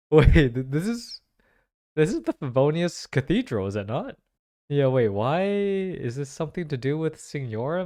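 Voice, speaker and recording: A man hosting a casual reaction video, thinking aloud in slangy, excitable commentary. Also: medium pitch. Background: faint music.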